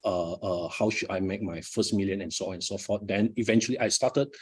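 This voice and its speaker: Malaysian man with a husky voice. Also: fairly low pitch, fairly even intonation, a little fast. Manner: hesitant, many fillers and repeated words. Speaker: author and speaker at his book launch. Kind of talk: live motivational talk.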